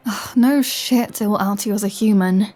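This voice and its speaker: A woman voices a flirty vampire in an ASMR roleplay audio drama, sardonic and scheming, teasing with sarcasm and a playful threat between conversational sighs. Her medium-pitched voice is mellow and lightly acted at a moderate pace, with soft music underneath.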